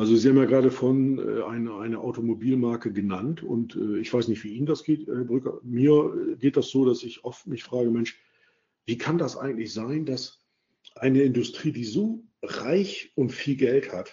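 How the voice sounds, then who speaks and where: Medium pitch and a moderate pace from a man with a normal speaking voice. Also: ordinary pitch variation. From northern Germany, Wilhelmshaven. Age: 50s. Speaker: sales expert and app developer. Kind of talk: interview. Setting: web meeting. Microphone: audio problems at start of recording.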